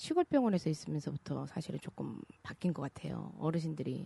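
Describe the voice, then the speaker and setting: A woman's somewhat breathy, dark and mellow voice at a fairly quick pace, dry and close with no echo, over a quiet background. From Jeonju, Jeolla, South Korea. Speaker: urban regeneration activist. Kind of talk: interview. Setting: studio.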